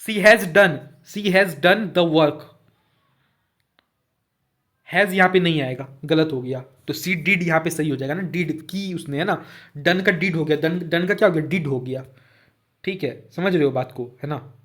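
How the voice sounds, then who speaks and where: A man with a fairly high-pitched voice runs an exam-prep lesson in Hindi, reading words. He goes over each answer again and again and keeps checking that the students follow. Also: measured pace, fairly bright tone. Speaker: online tutor.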